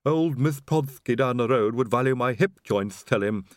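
A man voicing a gravely wounded male servant who talks in a broken working-class dialect. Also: medium pitch, moderate pace, no echo, studio quality, lightly acted. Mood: urgent, fading. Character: dying old male servant, dialect-speaking.

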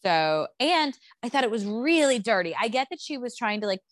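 A woman's voice: a little high, sing-song, moderate pace, dry recording, clean studio sound. A young woman co-hosting a podcast, chatting casually and opinionated, with lots of "like". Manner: chatty, opinionated, heavy use of "like". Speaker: podcast co-host. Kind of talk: casual chat.

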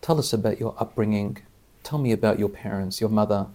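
A man hosts an interview with a mellow, dark voice. He speaks earnestly, like a teacher giving religious advice. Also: lowish voice, fairly quick. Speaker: interviewer and Islamic preacher.

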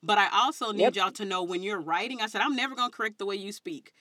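A woman's voice: mid-range voice, quick pace, pushed and bright, dry recording, studio quality. A woman in her thirties with a Southern African American English accent, talking candidly and emphatically in slangy, unfiltered conversation as an interview guest. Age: 30s.

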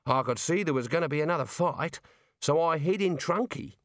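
A man reading an audiobook who voices a polite, ordinary young woman, high-pitched, earnest and tearful. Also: moderate pace, no room sound, studio quality, natural voice. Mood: chatty. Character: plain polite young woman, weepy and apologetic.

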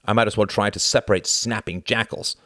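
A man's voice: lowish voice, steady tone, fairly quick, no room sound, studio quality. A man voicing a wary man thinking aloud. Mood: anxious reasoning. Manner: quiet, anxious inner reasoning.

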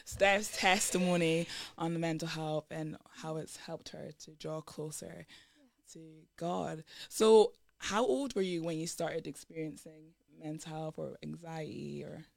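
Croaky-voiced woman hosting radio. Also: sits low, steady tone, a little slow, no echo. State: croaky from a sore throat. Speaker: radio show host. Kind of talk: casual radio interview. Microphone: studio microphone.

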